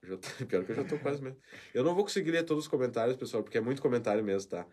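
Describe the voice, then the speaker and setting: A male host talks through viewer comments on a live stream. His voice sits at an ordinary middle pitch and has a soft, emotional tone, and he keeps dropping in little tag questions. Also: expressive, very fast, breathy edge. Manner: emotional, warm farewell talk with frequent "né?".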